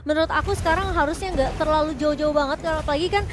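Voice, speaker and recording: A woman's voice: high voice, racing. An Indonesian woman giving live esports commentary and analysis in long run-on play-by-play sentences.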